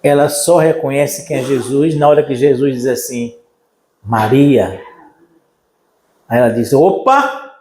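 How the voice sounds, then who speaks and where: A man with a Brazilian Portuguese accent preaching a sermon as pastor, animated and acting out the voices of the people in his story. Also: mid-range voice, brisk, hardly any pauses, reverberant, rough recording. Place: church.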